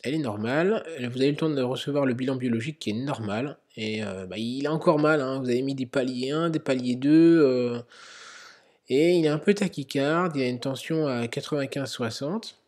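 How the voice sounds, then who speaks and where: A man's voice: medium pitch, moderate pace, a little mellow. A man, a medical educator, talking through an emergency-medicine quiz in an explanatory way, with many fillers. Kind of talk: narrated quiz lesson.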